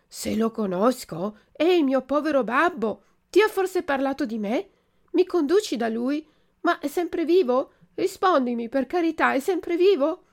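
Pinocchio, high wailing puppet boy voiced by a woman. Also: animated, measured pace. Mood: eager. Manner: wailing, pleading, high childlike voice. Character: wooden puppet boy, impulsive and tearful. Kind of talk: storybook reading.

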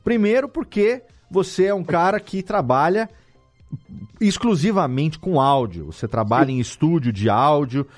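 A Brazilian man hosts a casual podcast in Portuguese. His voice sits a little higher than most men's. He talks informally and chattily, often restating a thought in new words. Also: lively intonation, normal speed, soft background music. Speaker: podcast host.

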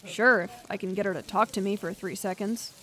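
A woman's voice: mid-range voice, fairly quick, a bit bright, natural voice, poor audio. An actress playing a flippant, awkward woman scientist in an audio drama, with a casual, slangy, blurting manner. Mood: dry, teasing. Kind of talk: naturalistic audio drama acting.

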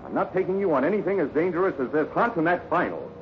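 A man's voice: on the high side, sing-song, fast. A man playing a firm, earnest, fatherly ranch foreman in a 1950s radio western. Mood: stern, exasperated. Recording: noisy, muffled old radio recording.

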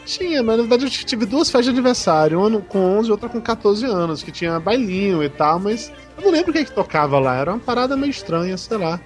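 A man's voice: high-pitched, sing-song, fast, few pauses. A man from Bahia with a Brazilian accent, talking casually as a podcast guest. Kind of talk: casual chat. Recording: music playing under the talk.

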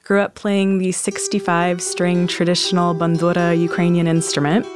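Interview guest, a woman from California; plainspoken, explanatory, slightly low voice. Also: monotone, moderate pace, music in the background. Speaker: journalist guest. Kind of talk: conversational interview.

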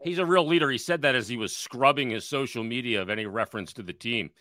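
50s dude co-hosting, sharp bright voice, sarcastic, dry mic. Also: male voice, medium pitch, fast, dry recording. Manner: sarcastic, joking. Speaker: co-host. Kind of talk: casual podcast chat.

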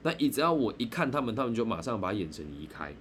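A Taiwanese man hosts a live-streamed podcast and tells a personal story. His voice sits fairly low, but his intonation swings up and down a lot as he drags out phrases and tacks on particles. There is a faint hiss behind him. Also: sing-song. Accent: Taiwanese Mandarin. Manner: chatty, drawn-out phrases with frequent sentence-final particles. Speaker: podcast host.

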